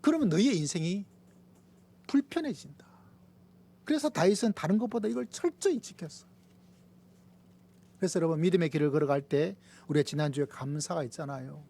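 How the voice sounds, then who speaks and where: A man preaches as pastor in a church sanctuary, his voice sitting a little high for a man. He drives his points home with repeated lists. He sinks into near-whispers before rising again. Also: animated, fairly quick, vocal fry, long pauses. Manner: emphatic preaching, swinging from raised lines to hushed whispers. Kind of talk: sermon.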